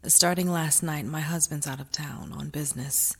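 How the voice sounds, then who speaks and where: Actress as a gentle, teasing caretaker, husky, slow and soft-spoken. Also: female voice, mid-range voice, expressive, exaggerated voice. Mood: soothing. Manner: soft, soothing, often whispering. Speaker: married woman caring for her lover. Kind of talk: adult audio roleplay.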